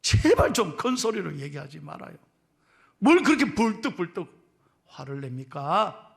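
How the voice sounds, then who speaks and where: A middle-aged male pastor with a Gyeongsang accent, preaching a sermon in a joking, lively way and teasing his congregation. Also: high-pitched, moderate pace, creaky. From Gyeongsang region of Korea. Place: church sanctuary.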